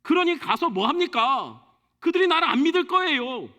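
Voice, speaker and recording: Whiny, stubborn Moses, done by a preacher. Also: male voice, extremely high pitch, sing-song, moderate pace, pushed and bright, voice pushed up, full character voice. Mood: pleading excuses. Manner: pleading and argumentative. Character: Moses, a whiny, stubborn man full of excuses.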